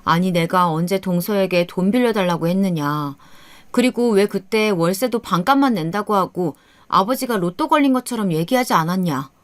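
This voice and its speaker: A woman's voice: mid-range voice, normal speed, no room sound. A woman in her thirties narrating a first-person radio story in plain storytelling.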